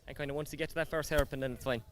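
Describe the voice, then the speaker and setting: A man's voice: a little high, fairly even intonation, very fast, slight background noise. A man, a drift driver, explaining his car in a matter-of-fact, technical way. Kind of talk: quick pit interview.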